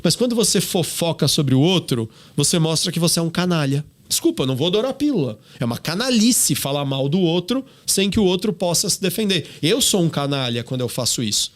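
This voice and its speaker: Man, Brazilian Portuguese accent, podcast talk, emphatic and preachy, fairly high voice. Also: sing-song, brisk, hardly any pauses. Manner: emphatic, preachy, rhetorical questions. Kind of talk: podcast discussion.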